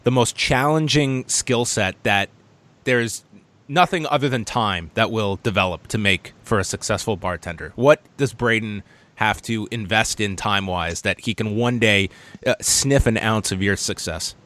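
Low-voiced male podcast host. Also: moderate pace, fairly bright tone. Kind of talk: casual round-table hosting.

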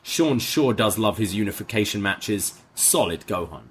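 A man's voice: lowish voice, animated, moderate pace, slightly rough. A man in his thirties co-hosting a podcast, joking around and reading listener mail. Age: 30s. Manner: joking, playful banter. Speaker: podcast co-host. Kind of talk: casual podcast chat.

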